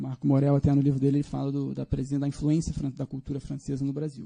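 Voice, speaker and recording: Very fast and somewhat breathy, a man's fairly high voice carries a dark, mellow tone. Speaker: doctoral researcher. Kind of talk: academic conference presentation. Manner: halting, many repetitions.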